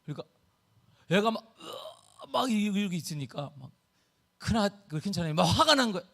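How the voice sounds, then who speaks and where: A middle-aged man preaching a sermon as pastor, telling a story with sudden swings between loud bursts and hushed asides. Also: sits high, big pitch swings, quick pace, creaky.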